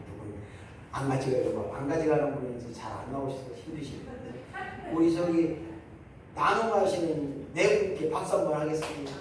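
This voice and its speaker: A man preaching a sermon as pastor, animated, acting out congregants in high mocking voices. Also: noisy background. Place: church sanctuary. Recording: very echoey church from far off.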